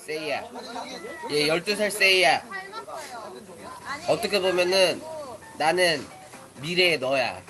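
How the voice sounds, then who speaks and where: A woman's voice: lowish voice, slow pace, long pauses, crowd noise. A woman in her twenties streaming and scolding younger players in a bossy big-sister way, swearing as she talks. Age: 20s. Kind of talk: live stream chat with players. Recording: music playing loudly under the voice.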